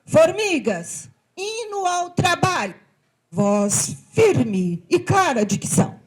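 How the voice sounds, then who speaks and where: A woman from voicing a stern, hardworking female ant who barks orders in a scolding, brisk way. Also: a little high, very animated, husky, heavily acted. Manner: scolding, brisk, loud commands.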